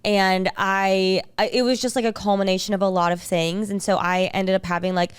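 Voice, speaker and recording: Young woman, upbeat podcast co-host, smooth clear voice, dry close sound. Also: medium pitch, steady tone, brisk, no echo. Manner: upbeat, earnest. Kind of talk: casual chat.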